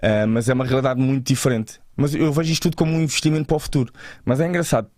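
A man's voice: mid-range voice, steady tone, racing, a little mellow, no room sound, studio quality. A man from Portugal with a European Portuguese accent, talking casually and colloquially as a guest in an interview about his creative work.

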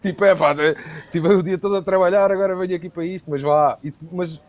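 A man's voice: sits high, fairly even intonation, fast talker, a little mellow. A man chatting casually, using slang and dropping in English words. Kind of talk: casual group chat.

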